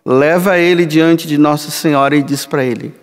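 A man's voice: a little high, steady tone. A man in his sixties, a priest giving a storytelling homily in a large church sanctuary on a headset mic, gesturing broadly as he speaks. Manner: slow, storytelling, sweeping hand gestures. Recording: long hall reverb.

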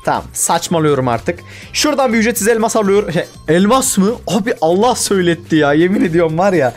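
A young man giving casual gameplay commentary, excitable and given to exaggerated frustration, talking to himself as he plays. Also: sits high, fast, soft background music. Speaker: gaming YouTuber.

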